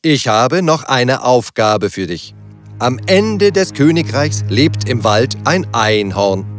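A man's voice: mid-range voice, big pitch swings, slow. Man acting an imperious scheming storybook king. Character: commanding, scheming older king. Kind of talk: children's fairy tale voice acting. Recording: music behind the voice.

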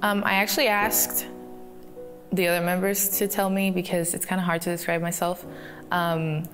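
A teenage woman from Canada answering interview questions in a soft, giggly way with many ums, filmed in a photo studio. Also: fairly low pitch, little pitch movement, normal speed. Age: teens. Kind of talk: recorded profile interview. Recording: clip played with faint music.

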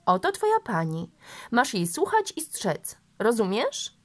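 A woman voicing a jovial English gentleman and father, teasing and hearty. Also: fairly high pitch, wildly swooping pitch, measured pace, heavily acted.

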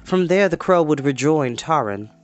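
A man's voice: fairly high pitch, animated, normal speed, lo-fi sound. A man in his twenties hosting a storytime, reading a storybook expressively with casual asides. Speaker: storytime host and reader. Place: small home room, indoors.

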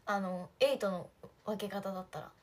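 A woman's voice: medium pitch, moderate pace, darkish tone. A young woman chatting casually on a livestream, giggling often and talking to viewers' comments. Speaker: idol livestream host.

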